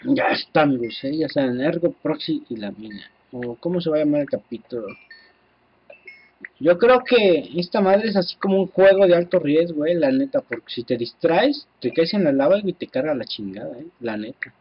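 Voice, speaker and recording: Excitable Mexican man with a husky voice. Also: on the high side, normal speed, highs cut off. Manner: excitable, swears casually, talks to viewers. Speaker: gameplay commentator. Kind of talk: casual let's-play commentary.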